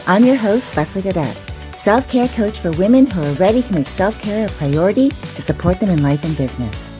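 A woman's voice: mid-range voice, lively intonation, fairly quick, mellow, soft background music. A woman hosting a podcast interview, speaking in an upbeat, welcoming way as a self-care coach.

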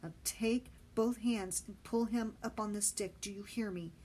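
A gruff, battle-burned sailor man, barking orders over the chaos as a woman reads him in a storybook. He speaks in loud, pushed, urgent commands, raised well above a calm voice. A faint hiss sits under the recording. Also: mid-range voice, unhurried, close to an everyday voice. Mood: urgent commanding.

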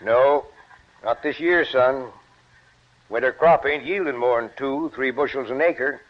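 A man's voice: medium pitch, unhurried, close to an everyday voice. An actor playing a plain-spoken, tired older farmer father in a 1940s radio drama. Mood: weary. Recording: muffled vintage radio broadcast.

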